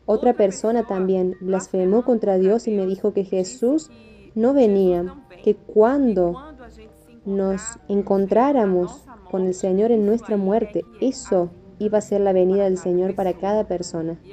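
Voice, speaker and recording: A woman's voice: mid-range voice, steady tone, measured pace, dark tone. A woman narrating a religious testimony in an earnest, emphatic way, as a preacher. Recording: dull lo-fi audio with faint music.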